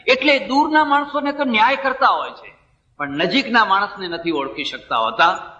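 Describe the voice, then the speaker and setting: A man with a Gujarati accent gives a spiritual discourse full of stories, acting out what the characters say. His voice sits high, expressive and sharp at a normal speed, and the hall recording sounds distant, roomy and dull.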